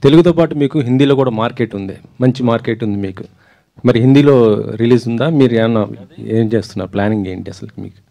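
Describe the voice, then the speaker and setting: A man's voice: medium pitch, fast, mellow. A man, an entertainment reporter, putting long questions to a film team at a press meet.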